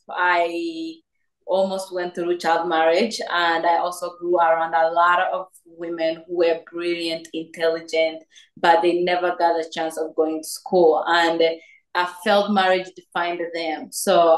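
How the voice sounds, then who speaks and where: A young woman from Congo, raised in Uganda, answering interview questions earnestly with many pauses and fillers. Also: lowish voice. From Democratic Republic of Congo, raised in Uganda. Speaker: guest, nonprofit founder. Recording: roomy echo.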